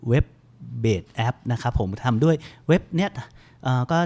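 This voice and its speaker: A man hosting a computer help show, giving a relaxed, chatty step-by-step screen-reader tutorial with lots of fillers. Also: mid-range voice, unhurried.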